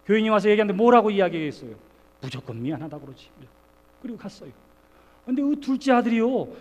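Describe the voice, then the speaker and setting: Middle-aged guy pastor preaching, pretty high voice, big echoey church, goes soft then loud. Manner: earnest, swings from soft to loud exclamation. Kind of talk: sermon. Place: church sanctuary. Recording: long church reverb.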